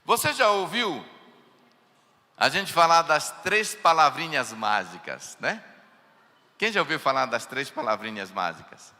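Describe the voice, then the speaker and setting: A man preaching a sermon as pastor, animated, mimicking family members in quoted voices and putting questions to the congregation. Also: a little high, measured pace. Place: church hall. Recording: long echoing church hall.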